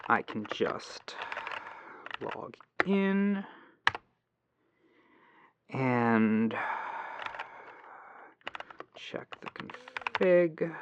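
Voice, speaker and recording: A man acting as a polite, patient tech support agent in a soft-spoken ASMR roleplay, musing aloud over a lo-fi telephone line. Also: mid-range voice, a little hiss or hum. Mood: focused, polite. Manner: unhurried, pausing, courteous, musing aloud. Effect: lo-fi telephone filter.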